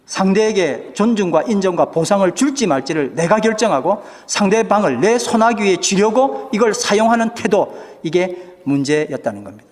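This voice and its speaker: A man's voice: sits high, big pitch swings, moderate pace, hardly any pauses. A male pastor preaching a sermon, putting questions to the congregation and acting out what people say. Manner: asks the congregation questions, acts out quoted speech. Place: church. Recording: church hall with long reverb.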